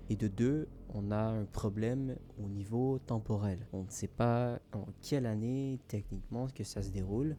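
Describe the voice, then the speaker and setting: A man's voice: on the low side, mellow, a little hiss or hum. A man hosting and narrating a scripted online mystery video. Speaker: YouTube host. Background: music under the voice.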